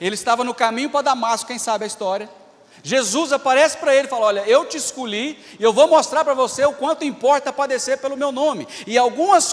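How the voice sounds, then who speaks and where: A man talks with extremely high pitch and ordinary pitch variation. Noticeable background noise can be heard. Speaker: preacher. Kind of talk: sermon. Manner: fast.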